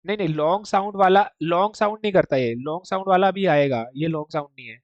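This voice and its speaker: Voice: mid-range voice, fast, no echo, dull audio. Teacher patiently explaining Japanese script, dry sound. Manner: explains step by step, often checks understanding with "ठीक" and "देखो"; mixes English words into Hindi explanation.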